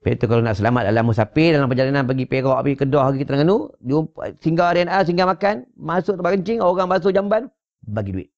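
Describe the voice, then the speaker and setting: A man with a Malaysian Malay accent giving an informal religious lecture at a home gathering, joking and checking his listeners with quick "ha? eh?" asides. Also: on the high side, animated, vocal fry, a little mellow. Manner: jokey, rhetorical, checks listeners with "ha? eh?". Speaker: Islamic religious teacher. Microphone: wireless lapel mic. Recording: dull lo-fi sound.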